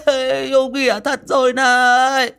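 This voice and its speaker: A man voicing a deranged young man who screams high, childish taunts at his father. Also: completely flat delivery, measured pace, gravelly, fairly bright tone, clear, resonant tone, full character voice. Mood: shrieking taunts. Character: mad young man, raving then terrified.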